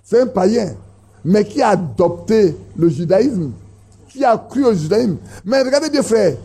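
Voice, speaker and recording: Husky preacher. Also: male voice, lively intonation, unhurried, warm tone. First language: an Ivorian language. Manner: emphatic, rising in pitch to stress points, repeats phrases. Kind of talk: sermon.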